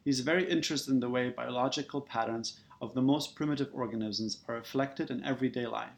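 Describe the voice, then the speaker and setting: A man's voice: medium pitch, fairly quick, creaky. A man reading a scripted introduction of the guest. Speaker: show introducer.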